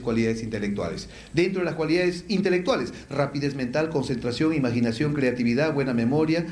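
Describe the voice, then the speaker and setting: A man's voice: medium pitch, a little mellow, slight background noise. A man teaching public speaking to a live audience, asking rhetorical questions and answering them with lists. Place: lecture hall with an audience. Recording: echoey room.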